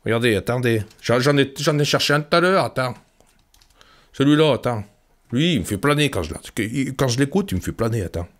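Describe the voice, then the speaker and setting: A man's voice: medium pitch, lively intonation, brisk, a bit bright. A young man from Savoie with a Savoyard French accent, chatting casually as a music producer, rambling and stammering with joking asides. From Savoie, France. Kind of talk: casual music-making vlog.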